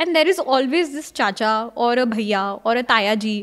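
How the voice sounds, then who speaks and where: On a very clean recording with a silent background, a woman with an Indian accent speaks at a moderate pace, her high voice carrying lively intonation. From Delhi, India. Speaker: startup co-founder and CEO. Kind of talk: casual interview conversation.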